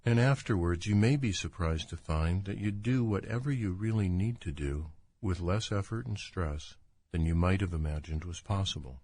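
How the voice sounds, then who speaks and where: A man leading a guided imagery relaxation as a doctor, speaking in a calm, soothing, unhurried manner. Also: sits low. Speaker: doctor guiding a relaxation exercise.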